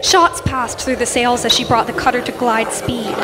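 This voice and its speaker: A woman's voice: fairly high pitch, level tone, normal speed, loud music behind the voice, lightly acted. A young woman acting as the narrator of an adventure radio play, reading scripted third-person storytelling. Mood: narrating.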